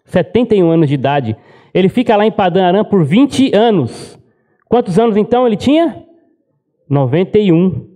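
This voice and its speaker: A male pastor preaches in a casual storytelling way, with a high-pitched voice. His tone is soft and mellow rather than sharp, and he keeps checking in with the congregation through quick tag questions. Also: lively intonation. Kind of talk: sermon.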